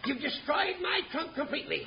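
A man's voice: very high voice, very animated, a little fast, vocal fry, heavily acted. An actor playing a pompous theatrical man with a sword in an old radio western, declaiming grandly. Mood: grandiose. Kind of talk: 1950s radio western drama. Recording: dull, hissy old radio broadcast.

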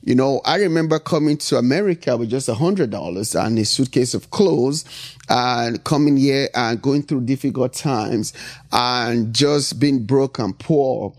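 A man's voice: mid-range voice, measured pace, darkish tone. A middle-aged man from Nigeria with a Nigerian accent, hosting a motivational business podcast and driving his points home with repetition and frequent "right?". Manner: emphatic, repetitive, asks "right?" often. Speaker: podcast host.

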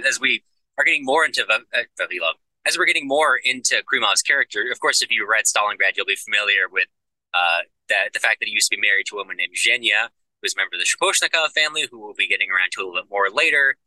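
A man co-hosting a casual book discussion podcast, explaining the story in a steady, agreeable way. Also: on the low side, fast talker, no room sound, low-quality recording. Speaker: podcast co-host discussing a novel.

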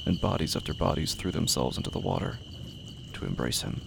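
Male actor as horror narrator, deep, heavily creaky, brooding, dramatic, lively pitch movement, loud insect-filled background noise. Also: a little fast, exaggerated voice. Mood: somber. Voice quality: gravelly. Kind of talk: scripted literary narration, horror audio drama.

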